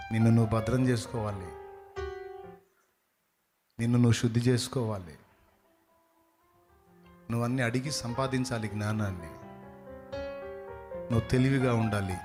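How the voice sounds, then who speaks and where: A male pastor preaching a sermon in an animated way, putting questions straight to his congregation. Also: medium pitch.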